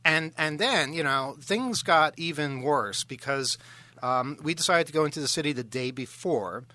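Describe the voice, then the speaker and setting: A man hosting a radio talk show, telling a long self-deprecating story in a halting, rambling way. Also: on the high side, lively intonation, sharp tone, no room sound. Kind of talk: casual on-air storytelling.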